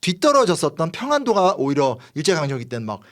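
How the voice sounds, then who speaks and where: A man from Seoul, a history commentator explaining politics in a lecturing way, full of fillers. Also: on the high side. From Seoul, South Korea. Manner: fast, lively lecturing with frequent fillers.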